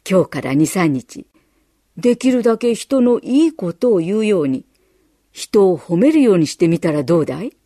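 A woman voicing a kind, patient father gently advising his son in a children's story. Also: moderate pace, no echo, studio quality. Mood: encouraging. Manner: lowered calm fatherly tone.

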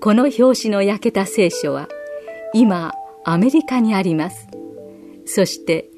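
A woman gently reading a children's Bible story aloud as scripted narration. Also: mid-range voice, slow pace, over music. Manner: gentle, expressive reading with acted quotes.

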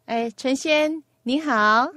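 A woman hosting a children's radio program, asking a young guest patient, coaxing questions and telling a gentle story. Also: high-pitched, takes it slowly, no room sound, studio quality.

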